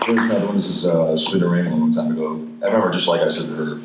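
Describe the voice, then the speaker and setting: A hoarse man, a vendor, giving away prizes on a live stage in a laid-back, drawling way. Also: low voice, fairly even intonation, fast. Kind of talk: casual stage banter. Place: large convention hall stage with live audience. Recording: very echoey hall, loud background noise.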